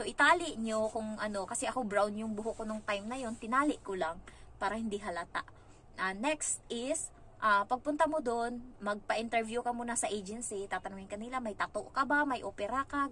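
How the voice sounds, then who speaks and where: A young woman from the Philippines telling her story casually as a vlogger, chatty and animated, acting out other people's lines in passing. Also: a little high, normal speed, a little hiss or hum.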